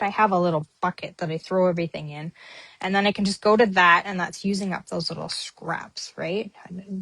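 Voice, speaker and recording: A woman's voice: medium pitch, fairly bright tone, no room sound. Female craft host, talks with a friendly ramble while working, dry close mic. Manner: chatty, many ums, talks while working. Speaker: papercrafting host. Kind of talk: casual crafting tutorial.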